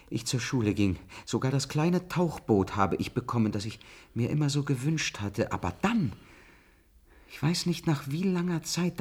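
An actor playing an agitated young man reliving a dream, pleading with a husky voice in a 1970s radio drama. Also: medium pitch. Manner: pleading, urgent. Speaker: protagonist.

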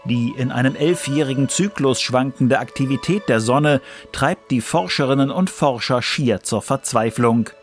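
A man's voice: medium pitch, moderate pace, hardly any pauses, soft background music. A man reading scripted science documentary narration for a radio feature.

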